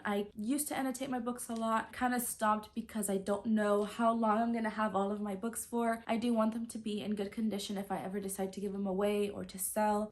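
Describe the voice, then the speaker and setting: Woman, native Spanish speaker, mid-pitched, casual book chat, loose and talkative. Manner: chatty, fills with "like" and "so". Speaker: book vlogger.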